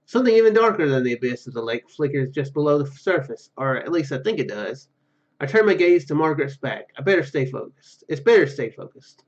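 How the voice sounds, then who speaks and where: A man hosting a gameplay video, reading story narration aloud haltingly with casual comments. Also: on the high side, sing-song, dull audio. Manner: halting reading, stumbles and repeats words. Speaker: gaming video host.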